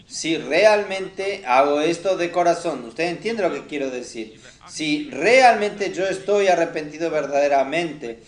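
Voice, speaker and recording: Slow, high-voiced man preaching with echo. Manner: didactic, often posing questions to listeners. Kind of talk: teaching sermon to teenagers. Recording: roomy, echoing sound.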